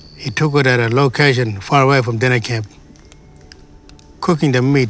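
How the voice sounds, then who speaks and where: With music in the background, a man speaks fairly quickly at a medium pitch with fairly even intonation. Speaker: storyteller. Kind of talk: traditional bedtime story telling. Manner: casual, conversational.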